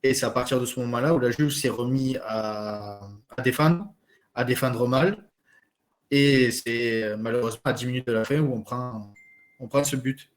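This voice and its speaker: Male co-host, even mid-pitched voice, lays out the match calmly in order. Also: moderate pace, faint music behind. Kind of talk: casual football debate.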